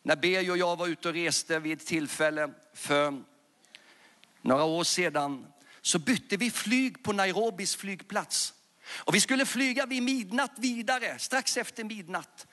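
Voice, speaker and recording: A man's voice: sits high, sharp tone. A man preaching in a large church, telling a story with fervour and calling the congregation to raise their hands. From Sweden. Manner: fervent, storytelling, calls to the audience. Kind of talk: sermon with altar call.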